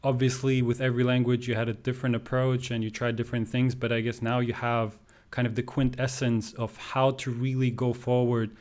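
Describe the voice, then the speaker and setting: A man's voice: mid-range voice, little pitch movement, brisk, few pauses, a little mellow. A man hosting an interview, asking questions and giving short friendly prompts. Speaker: interview host. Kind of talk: casual interview.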